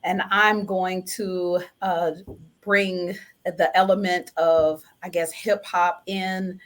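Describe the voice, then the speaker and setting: A woman's voice: lowish voice, flat delivery, slow pace, fairly bright tone. A woman artist chatting casually as a guest in an informal, enthusiastic way. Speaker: recording artist, poet, guest. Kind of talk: casual chat.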